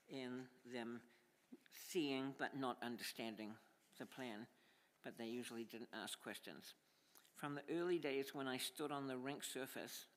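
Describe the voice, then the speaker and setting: NZ male submitter, mid pitch, firm and pointed, reads from notes into a desk mic, echoing chamber. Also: a bit bright. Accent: New Zealand. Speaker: submitter to a council hearing. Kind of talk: reading a prepared submission. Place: large council chamber. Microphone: desk microphone. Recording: long reverb of a council chamber.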